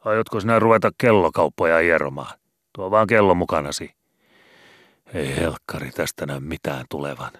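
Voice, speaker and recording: A man voicing a gruff, bossy, boastful old male sea pilot who scolds loudly and swears in rough rural speech in a storybook reading. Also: low voice, no echo, clean studio sound. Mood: gruff scolding.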